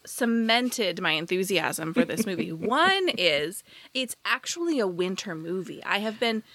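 Bright, crisp-edged female podcast co-host, dry sound. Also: a little high, dry recording. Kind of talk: casual chat, reading listener email aloud.

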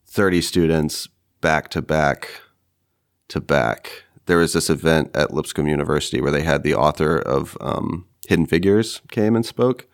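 Man, deep voice, creaky smoker's rasp, wheezy from heavy smoking, casual podcast chat, halting and rambling. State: rough and wheezy after a night of heavy smoking. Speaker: podcast co-host.

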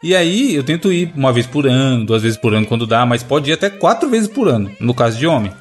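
A man's voice: medium pitch, sing-song, a little fast, soft background music. A man hosting a casual podcast chat, joking and telling a story. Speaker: podcast host.

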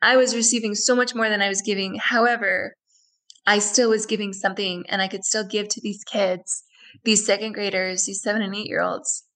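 A woman's voice: mid-range voice, flat delivery, brisk, fairly bright tone, low-quality recording. A woman guest in a radio interview who tells a personal story earnestly and reflectively, often repeating phrases.

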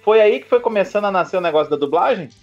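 A man's voice: sits high, lively intonation, very fast, soft background music. A Brazilian man hosting a podcast, asking questions in an informal, teasing, chatty way. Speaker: podcast host. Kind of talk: casual interview chat. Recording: slightly dull, lo-fi audio.

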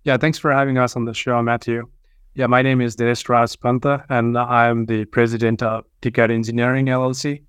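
A man from Nepal, an engineering firm president, answering interview questions in measured, slightly formal phrasing. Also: mid-range voice, level tone, a bit bright, clean tone, dry recording, studio quality.

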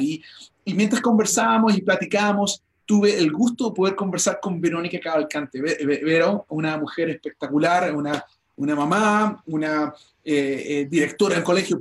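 A man's voice: on the high side, moderate pace, slight background noise. A man hosting a motivational interview, enthusiastic and full of stammered restarts. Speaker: host.

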